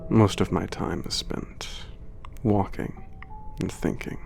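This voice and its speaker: A man playing an old, gentle, reflective giant, speaking in a measured, formal way as in an ASMR letter home. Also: deep voice, steady tone, gravelly, soft background music, heavily acted. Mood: wistful, measured. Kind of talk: ASMR letter narration and roleplay.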